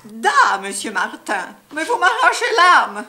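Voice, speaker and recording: A grand fake duchess. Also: female voice, a little high, huge pitch swings, a little slow, pushed and bright, heavily acted. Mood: scheming. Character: haughty aunt posing as a Russian grand duchess. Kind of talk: 1980s television comedy acting.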